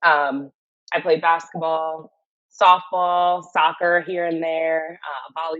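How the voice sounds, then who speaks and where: A woman's fairly low voice with a New York accent at a very slow pace, with big swings in loudness. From US Northeast, Long Island, New York. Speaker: former basketball player and event business owner. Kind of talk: podcast interview. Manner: animated.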